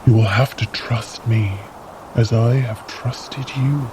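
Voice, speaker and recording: An actor playing a solemn, guarded frost giant guide who speaks cryptically and with measured gravity in a fantasy audio drama. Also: male voice, medium pitch, fairly even intonation, background noise, natural voice.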